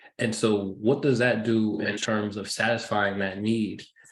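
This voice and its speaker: A man speaks with monotone, flat intonation in audible room echo. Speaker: guest speaker on money mindset. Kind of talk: online lesson.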